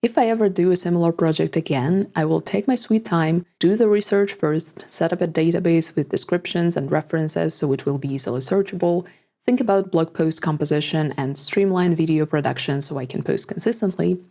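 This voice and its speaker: A young woman narrates her own scripted video essay, calm and reflective. Her voice sits low and carries a gravelly fry, with a dark, mellow tone. English is not her first language. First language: neither English nor Japanese. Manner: measured, reflective, articulate.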